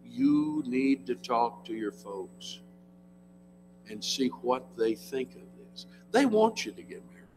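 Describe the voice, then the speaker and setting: An American man in his seventies preaches to a congregation in church, folksy, plain-spoken and emphatic, often putting questions to his listeners. His mid-range voice is sing-song and slow, heard over music with poor audio quality.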